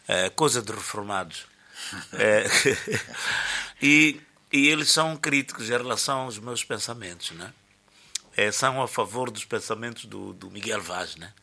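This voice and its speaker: An older man, commenting on football in a radio debate, telling stories and searching for words. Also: fairly low pitch. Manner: animated storyteller, searching for words. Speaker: sports commentator.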